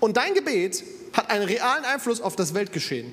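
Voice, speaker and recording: A man's extremely high voice with very wide pitch swings. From Cameroon (Yaoundé). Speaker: guest preacher. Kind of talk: sermon. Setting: church with congregation. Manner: animated.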